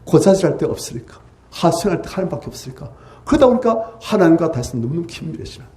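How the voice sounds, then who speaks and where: A man preaching a revival sermon in a church, pleading loudly at times and dropping to hushed near-whispers at others. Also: on the high side. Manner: impassioned, swings from loud pleading cries to hushed near-whispers. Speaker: pastor. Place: church sanctuary.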